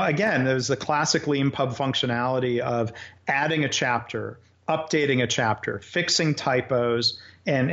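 A man's voice: mid-range voice, fairly bright tone. A man in an interview, talking about his writing process at a thoughtful pace, with plenty of fillers and restarts. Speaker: author guest. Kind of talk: conversational interview. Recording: slightly dull lo-fi audio.

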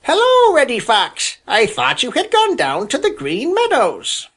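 A man's voice: very high-pitched, huge pitch swings, measured pace, a bit bright, pitched above the performer's own voice, full character voice. A man reading aloud voices a mischievous, teasing male jay in a storybook.

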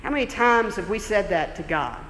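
A man preaching a sermon in a church, conversational and explanatory, slowing down for emphasis. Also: high-pitched, lively intonation, fairly bright tone, a little hiss or hum. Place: church sanctuary. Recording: long church reverb.

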